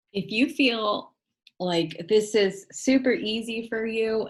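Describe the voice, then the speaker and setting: This woman has a fairly high pitch and a somewhat breathy sound. She speaks at a fairly slow pace with ordinary pitch variation. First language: Spanish. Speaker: teaching artist. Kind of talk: tutorial for children.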